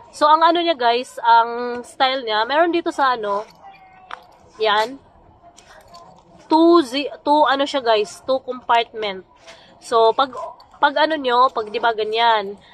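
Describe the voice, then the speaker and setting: A woman talks at a very slow pace with long, frequent pauses. Her pitch is high, with ordinary pitch variation. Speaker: vlogger selling products. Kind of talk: product showcase vlog. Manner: casual, many fillers.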